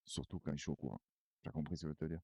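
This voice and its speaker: A man's voice: a bass voice, racing, creaky, dark tone, breathy edge, no echo, dull audio. A man casually rambling through a reaction commentary, chatty and laughing often. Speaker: news commentary host.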